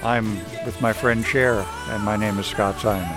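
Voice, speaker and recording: A man's voice: on the low side, fairly even intonation, normal speed, music in the background. A man hosting a radio interview, asking curious, friendly questions. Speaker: radio host.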